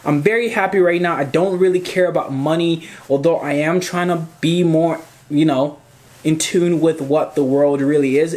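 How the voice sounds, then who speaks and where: A man's voice: a little high, a little mellow. A man in his twenties from Zimbabwe, chatting casually and rambling as he answers questions in a home vlog. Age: 20s. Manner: chatty, rambling, gestures with hands, swears casually. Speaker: photographer and YouTuber. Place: small indoor room at home.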